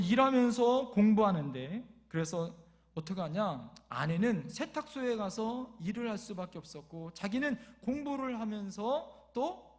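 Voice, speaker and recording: Animated pastor preaching with lively pitch. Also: male voice. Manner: animated, calls out to the congregation. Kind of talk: sermon storytelling. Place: church sanctuary.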